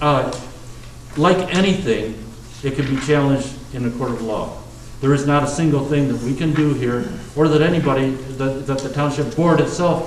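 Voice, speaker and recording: With noticeable background noise and audible room echo, a man speaks at a moderate pace and medium pitch with fairly even intonation. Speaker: township resident. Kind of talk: public meeting comment.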